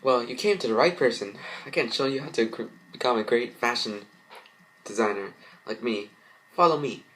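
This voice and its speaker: A man's voice: medium pitch, normal speed, fairly bright tone, a little hiss or hum, close to an everyday voice, poor audio. A man voicing a kindly, encouraging woman fashion designer in a cartoon fan story.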